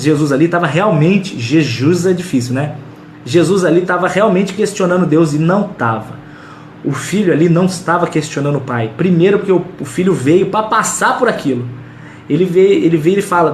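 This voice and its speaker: Brazilian male Bible teacher, fairly high voice, punchy and repetitive, echoey room. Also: slight background noise. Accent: Brazilian Portuguese. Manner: emphatic and repetitive, with slangy asides. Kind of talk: casual Bible study talk.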